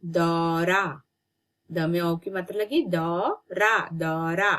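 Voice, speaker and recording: A woman teaching young children to read. Her voice sits a little low, and she stretches each syllable out very slowly. She repeats every word with patient care. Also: fairly bright tone. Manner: slow, drawn-out syllables, patient repetition. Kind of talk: children's reading lesson.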